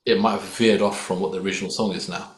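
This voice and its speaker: Deep-voiced man in an echoey room. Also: fairly even intonation, fast talker. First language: not Hindi or Urdu. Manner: reflective, easygoing, uses sports comparisons. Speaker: singer, podcast guest. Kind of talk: casual conversation. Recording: echoey room with faint ambient noise.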